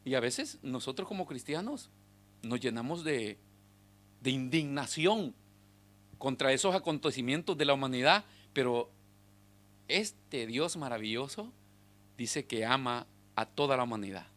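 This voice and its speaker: A man preaching a sermon as pastor, swinging between loud exhortation and hushed asides to the congregation. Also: mid-range voice, expressive, a little slow. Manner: speaks directly to the congregation with rhetorical questions.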